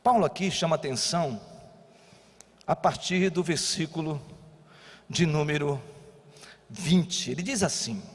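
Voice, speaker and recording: A Brazilian pastor preaching a sermon, moving between quiet teaching and loud exhortation. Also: male voice, fairly high pitch, unhurried, long pauses, husky. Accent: Brazilian Portuguese. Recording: long church hall reverb.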